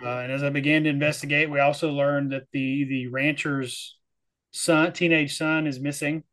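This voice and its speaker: A man from the Texas-Oklahoma area, a player recapping a tabletop game in casual chat, halting and repeating words. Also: a little high, little pitch movement, fairly bright tone.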